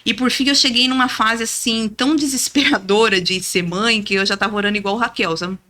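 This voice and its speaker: A woman in her thirties telling a personal faith story as a podcast guest, earnest and lively, often adding "né?". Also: fairly high pitch, brisk. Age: 30s. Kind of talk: testimony in casual chat.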